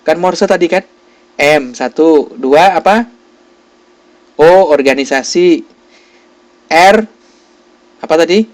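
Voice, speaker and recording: A man's voice: fairly high pitch, slow, long pauses. A man. He talks in a chatty way, acts out short example exchanges, and keeps stopping to hunt for the right word. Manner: chatty, acts out example dialogues, many fillers. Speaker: teacher. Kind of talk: casual classroom lecture.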